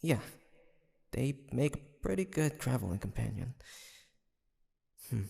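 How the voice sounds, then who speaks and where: A guarded, brooding monster hunter from the 1850s played by a male voice actor in an intimate audio drama. He speaks slowly and haltingly with a gravelly, husky voice, as if thinking aloud. The sound carries a long reverb. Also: medium pitch, very animated, mellow, heavily acted. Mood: wistful, flustered. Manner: hesitant, halting, sighing soliloquy.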